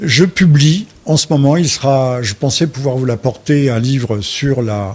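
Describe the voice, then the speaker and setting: The man's voice is somewhat breathy and fairly high in pitch. He talks at a fairly slow pace with ordinary pitch variation. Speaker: essayist and journalist. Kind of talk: conference talk. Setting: conference room with live audience. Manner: halting, many repetitions.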